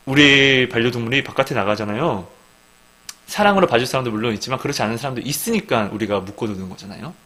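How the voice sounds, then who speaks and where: A man's voice: medium pitch, fairly bright tone, poor audio. A man giving an informal sermon, often asking the listeners questions and acting out quoted speech. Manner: asks the listeners questions and acts out quoted dialogue. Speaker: Christian speaker giving a devotional talk.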